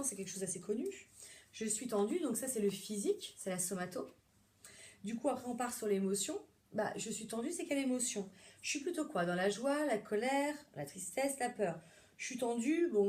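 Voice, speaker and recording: Middle-aged woman, therapist explaining things off the cuff, warm mellow tone, lots of hesitations. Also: mid-range voice. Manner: chatty, rambling, many fillers and restarts. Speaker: psychotherapist. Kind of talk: casual monologue.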